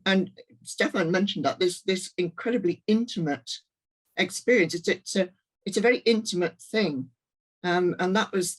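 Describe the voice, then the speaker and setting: A woman's voice: fairly low pitch, rough recording. Thoughtful woman, reflective talk. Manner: thoughtful, repeats phrases. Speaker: writer.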